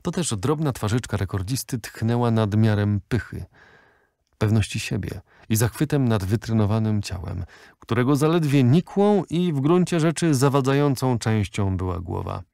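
A man reading a classic novel aloud as an audiobook narrator, in a measured, literary way. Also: mid-range voice, expressive, creaky, warm tone, no echo, clean studio sound.

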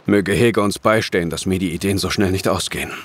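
An uneasy fantasy seafarer acted by a man with a fairly low voice. It is audio drama acting, with clear noise behind it. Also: a little fast, close to an everyday voice. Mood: worried. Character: uneasy male seafarer in a foggy fantasy world.

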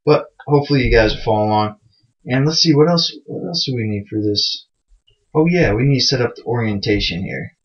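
A man's voice: mid-range voice, expressive, fairly quick. Casual guy explaining code, lo-fi mic. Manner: loose, chatty and self-mocking, with many fillers. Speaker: programming tutorial host. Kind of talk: casual screencast tutorial. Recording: dull lo-fi mic sound.

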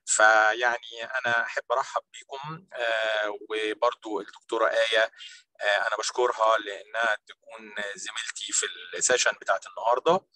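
Egyptian male academic chair, bright forceful voice, formal delivery on an online call. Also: lowish voice, steady tone, brisk, no echo. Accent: Egyptian Arabic. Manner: mixes English phrases into Arabic. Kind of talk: formal spoken welcome at an online conference. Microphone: online video call.

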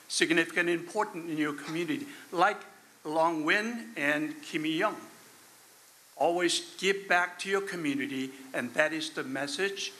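A man giving a halting ceremony speech from a podium in a large hall, with frequent fillers. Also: on the high side, sharp tone. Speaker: guest speaker. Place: large indoor banquet hall, on stage at a podium.

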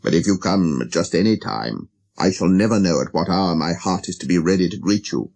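Man voicing a low, wistful storybook fox. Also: animated, brisk, vocal fry, a little mellow, full character voice. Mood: patient, instructing. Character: lonely, gentle, wistful wild fox. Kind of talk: storybook character reading.

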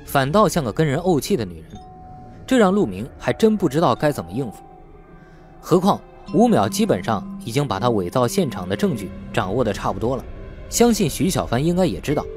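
Animated male audiobook narrator. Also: medium pitch. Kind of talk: scripted novel narration with acted dialogue.

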